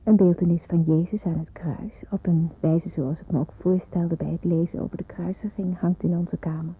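A woman's voice: on the low side, flat delivery, normal speed, breathy edge. An actress playing an earnest young Jewish woman in wartime hiding, a little hesitant, in a Dutch radio play. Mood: reflective. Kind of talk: Dutch radio play acting with diary-like narration. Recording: muffled, thin old radio recording.

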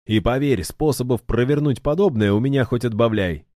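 A man's voice: medium pitch, mellow, dry recording, clean studio sound, voice pushed up, close to an everyday voice. A man voicing a hot-tempered young fighter who taunts and snaps at his foe in a raised voice. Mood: angry threatening. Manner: sarcastic, taunting, quick to anger.

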